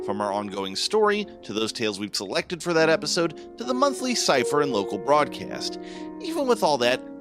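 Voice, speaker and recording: A man hosting a horror fiction podcast, giving announcements and then reading the story in a slow, hushed, dramatic way. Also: medium pitch. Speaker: podcast host and narrator. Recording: music playing behind the voice.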